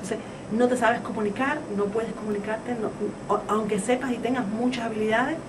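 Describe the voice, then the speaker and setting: A woman's voice: fairly high pitch, steady tone, fast. A woman from Cuba explains steadily and earnestly how hard it is to adapt to a new country. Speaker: interviewee. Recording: distant mic with background noise.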